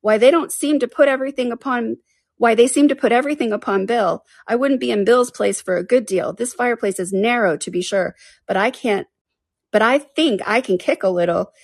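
Woman playing a young girl, storybook heroine, earnest, chatty, puzzled, slightly raised pitch, dry sound. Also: fairly quick, vocal fry, dry recording. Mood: musing. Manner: earnest, chatty, reasoning with herself. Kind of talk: storybook character voice.

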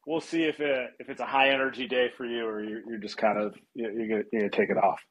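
Man, podcast guest, mid-pitched voice, relaxed and friendly. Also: fast, dull audio. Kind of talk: casual sports podcast talk.

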